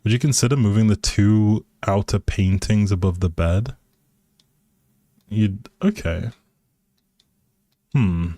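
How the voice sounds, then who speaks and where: Slow, low, mellow-voiced man musing aloud. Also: no echo, clean studio sound. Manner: musing, hesitant, trailing off. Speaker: live streamer playing a life simulation game. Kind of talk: casual chatty gameplay commentary, thinking aloud.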